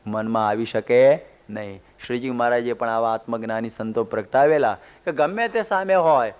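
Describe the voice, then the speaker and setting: Male monk, sermon delivery, folksy storyteller, smooth clear tone, muffled lo-fi recording. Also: medium pitch, normal speed. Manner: storytelling, homely humorous asides. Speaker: monk giving a religious discourse. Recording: dull lo-fi CD recording.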